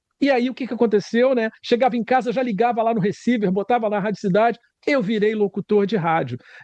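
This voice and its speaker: A man speaks very fast at a high pitch with ordinary pitch variation, the sound dry and close with no echo. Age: 50s. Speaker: radio announcer. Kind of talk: casual interview chat.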